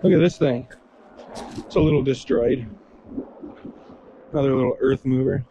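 A middle-aged man vlogs from a windy beach, chatting in a rambling, casual way as he walks and points things out. His voice is medium-pitched at normal speed, and the outdoor recording is muffled by loud wind.

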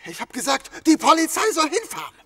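An actor in a crime radio play voicing an agitated innkeeper grieving his murdered wife, halting, stammering and swearing bitterly. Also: very high-pitched, wildly swooping pitch, vocal fry, pushed and bright, heavily acted. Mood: furious, distraught. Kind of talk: dramatic audio drama acting.

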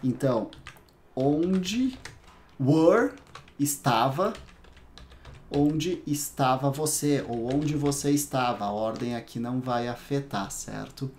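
A Brazilian man teaching English one-on-one. He speaks at an unhurried, deliberate pace with a middling pitch, patiently repeating English words to show each sound. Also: darkish tone, slight background noise. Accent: Brazilian Portuguese. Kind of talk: private English lesson.

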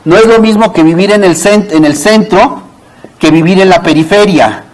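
A high-voiced man teaches a workshop with plenty of animation. He jokes with the room and keeps addressing his listeners as comrades. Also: normal speed, poor audio. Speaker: workshop instructor. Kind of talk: lively classroom lecture.

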